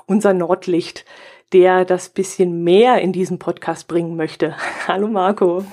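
Slightly hoarse woman podcaster. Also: lowish voice, steady tone, measured pace, mellow. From Allgäu, Germany. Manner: chatty, reads listener comments aloud, frequent "äh" fillers. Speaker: podcast host. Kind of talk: casual podcast chat.

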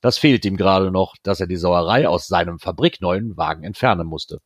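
Narrator: man reading a novel aloud, low-pitched, steady, dry close sound. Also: moderate pace, breathy edge, no room sound. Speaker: reader.

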